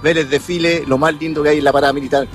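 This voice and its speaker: A man's voice: fairly high pitch, fairly even intonation, racing. A Chilean man calling in, upbeat and plain-spoken. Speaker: caller. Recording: music behind.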